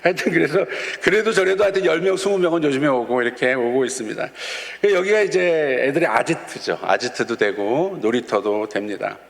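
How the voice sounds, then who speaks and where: A man's voice: mid-range voice, brisk, vocal fry, hardly any pauses. A man preaching a sermon as a pastor, telling stories and acting out quotes of kids, chuckling now and then. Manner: storytelling with acted quotes of kids. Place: church sanctuary. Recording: long church reverb.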